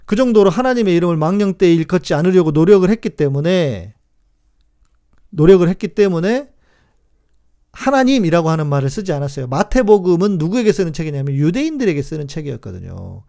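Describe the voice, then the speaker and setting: A middle-aged man pastor talks to his live-stream viewers in a somewhat high, gravelly voice. He is chatty and emphatic, hammering key words again and again and answering comments as they come in. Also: big pitch swings, brisk, mellow. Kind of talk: live-streamed teaching talk.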